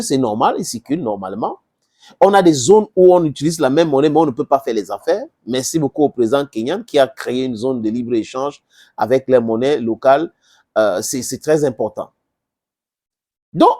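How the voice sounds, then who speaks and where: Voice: medium pitch, dark tone. A commentator from Southern Cameroon with a Cameroonian accent and English as first language, giving impassioned informal political commentary with emphatic repetition and rhetorical questions. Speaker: political commentator addressing viewers.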